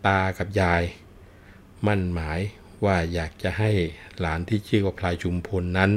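Deep-voiced unhurried male storyteller. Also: flat delivery, a little hiss or hum. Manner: unhurried, addresses listeners, frequent polite particles. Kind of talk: explanatory storytelling talk.

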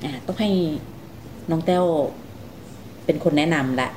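Female interviewer, deep dark voice, polite and slightly hesitant, conversational hosting. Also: unhurried, a little hiss or hum, rough recording. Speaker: interviewer, show host.

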